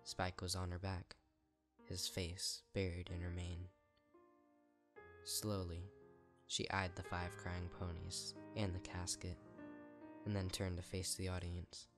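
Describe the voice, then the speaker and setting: Low male voice, story narrator, scripted fan fiction reading, faint music behind. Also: monotone, slow pace, pauses often.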